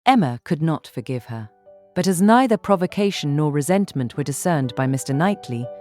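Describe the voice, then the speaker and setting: A woman reading scripted literary narration as an audiobook narrator in a measured, articulate way. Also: low-pitched. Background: soft instrumental music.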